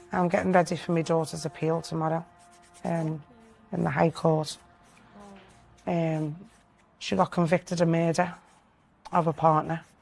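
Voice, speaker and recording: A woman uses a put-on character voice that is raspy and fairly low-pitched, with monotone, flat intonation. She goes at a moderate pace with long, frequent pauses. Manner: shaky, hesitant.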